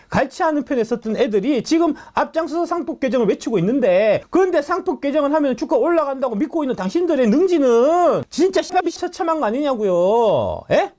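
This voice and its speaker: A fast-talking man delivering a heated commentary, his pitch leaping up and down constantly as he mocks and scolds. His voice is dark and relaxed in tone, yet his talk is full of indignant rhetorical questions and coarse words. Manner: indignant, mocking, profane rants with rhetorical questions. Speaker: author and stock market commentator. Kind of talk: heated political and market commentary.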